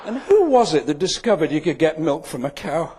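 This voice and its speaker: A man's voice: on the high side, big pitch swings, fairly quick, a little mellow, slight background noise. Dry-witted Mancunian man joking on stage. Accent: Manchester English. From England. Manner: dry, self-deprecating comic delivery. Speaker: keynote speaker. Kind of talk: comic keynote speech to a live audience. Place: event venue before a live audience.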